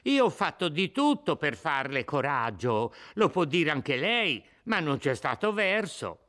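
A man's voice: on the high side, sing-song, unhurried, bright, forceful tone, pitched above the performer's own voice, exaggerated voice. A man reading aloud voices a humble old woman servant, who talks in a servile, excusing way. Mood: fawning.

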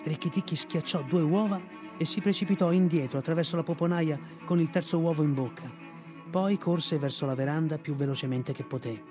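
A man narrating a storybook in a measured, expressive way. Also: a little high, music in the background. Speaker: reader. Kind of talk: scripted audiobook narration.

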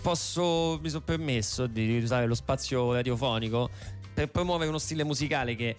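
Man hosting radio, soft R. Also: medium pitch, normal speed, soft background music. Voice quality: soft, non-rolled R. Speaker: radio host. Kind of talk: casual comic radio chat.

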